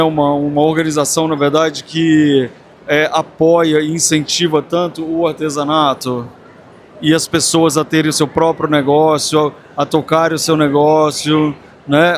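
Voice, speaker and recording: Walking through a crowded, large craft fair, a Brazilian man vlogs casually, his voice a little high. The fair's noise comes through clearly as he gushes to his audience, speaking right to them as their host.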